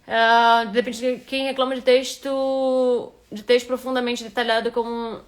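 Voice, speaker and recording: A woman's voice: fairly high pitch, little pitch movement, unhurried. A woman with a Rio de Janeiro accent, a writing instructor giving a live critique of a reader's manuscript and thinking aloud with frequent restarts. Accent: Rio de Janeiro Portuguese.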